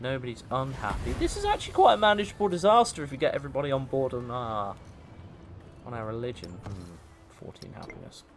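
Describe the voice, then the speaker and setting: A man at a fairly quick pace with long, frequent pauses and big swings in loudness, music in the background. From English Midlands. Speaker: gaming livestreamer. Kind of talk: casual gameplay livestream chat. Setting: live stream. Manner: relaxed, chatty with fillers.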